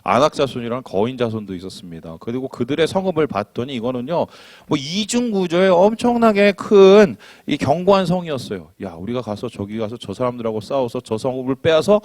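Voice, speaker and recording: A male pastor preaching a sermon in an animated way, asking the congregation questions and acting out quotes. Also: medium pitch, brisk, few pauses, no echo.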